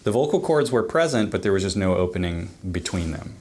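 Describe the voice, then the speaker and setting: A man with a very low voice, a doctor explaining a medical procedure in an interview. He talks plainly, walking through each step. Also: expressive, fairly quick, a little mellow.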